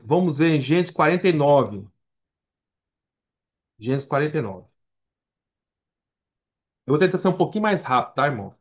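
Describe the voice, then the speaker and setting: A Brazilian man preaching a Bible study at church, conversational, reading scripture aloud between casual remarks. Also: medium pitch. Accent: Brazilian Portuguese. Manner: conversational, reads scripture aloud, frequent fillers. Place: church meeting hall. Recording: dull lo-fi church recording.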